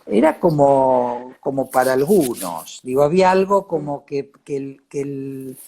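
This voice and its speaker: Husky Argentine man with a Córdoba accent. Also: mid-range voice, lively intonation, dark tone. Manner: halting, repeats phrases as he searches for words. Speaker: interviewer. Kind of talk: conversational interview.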